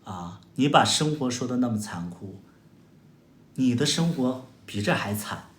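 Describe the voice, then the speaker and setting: Broadcasting live from an echoey room, a Northeastern Mandarin-accented man from Heilongjiang, China, mocks and spars with viewers in casual chat about their comments. He talks at normal speed, his pitch bouncing with lively animation as he throws out sarcastic retorts and exaggerated exclamations.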